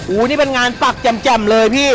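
A live-stream seller giving a fast, hyped sales pitch for second-hand clothing, chatty and persuasive, repeating phrases for emphasis. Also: over music.

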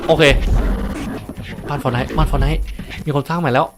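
A man's voice: a little high, a little fast, gravelly. A man commentating a live game stream, yelping and exclaiming often as he plays, then thanking his viewers. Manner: excitable, yelps and exclaims often. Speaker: gaming streamer.

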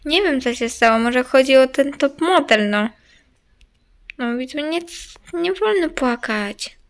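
A woman's voice: high voice, a little slow. A woman giving casual gameplay commentary, chatty and repetitive, talking straight to her viewers. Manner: chatty, repeats herself, talks straight to viewers. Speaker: gaming channel host.

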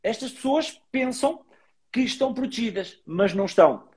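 A middle-aged man with a European Portuguese accent speaks in a notably high register. He explains with animated, emphatic energy, as a guest in a relaxed conversation. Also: moderate pace. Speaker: body language expert guest. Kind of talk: casual interview over a live video call.

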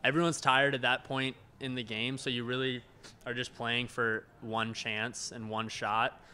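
A man's voice: medium pitch, flat delivery, a little slow, bright, forceful tone, smooth. A man in his early twenties, a college soccer player, answering hesitantly and matter-of-factly at a post-match press conference. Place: indoor press conference room, seated at table. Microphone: handheld microphone held close.

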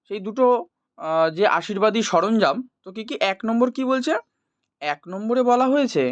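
A man's voice: high voice, no room sound. A man explaining a poem to students as a teacher, often posing questions and answering them himself. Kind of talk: explanatory poetry lesson for students.

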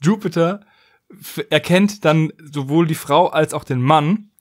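A man's voice: fairly high pitch, unhurried. A man co-hosting a podcast, discussing casually in an analytical, questioning way. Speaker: podcast host.

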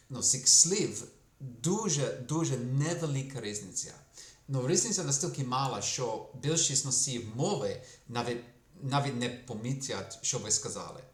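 Teacher Ukrainian, echoey room. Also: male voice, medium pitch. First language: English. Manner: hesitant, many fillers, slows down to model English words. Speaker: English teacher. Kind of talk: short language lesson.

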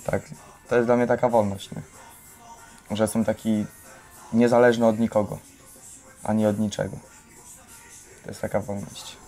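A man's voice: on the low side, little pitch movement, moderate pace, pauses often, warm tone, soft background music. A young man giving informal, reflective testimony in an earnest way, often checking for agreement with short tag questions. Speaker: resident of a youth educational centre.

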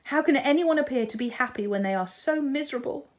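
A woman's voice: sits high, animated, fast talker, pitched above the performer's own voice. A woman voicing a heartbroken, impulsive young woman who pleads in tearful, dramatic outbursts. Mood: grief-stricken. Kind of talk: audiobook character reading.

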